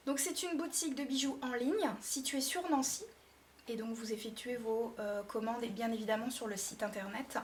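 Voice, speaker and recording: A woman with a bright, high voice talks straight to her viewers in a casual beauty vlog. She reviews products chattily, going through them item by item. A faint background hiss sits under her voice. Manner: chatty, addresses viewers directly, listing items one by one. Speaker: beauty vlogger.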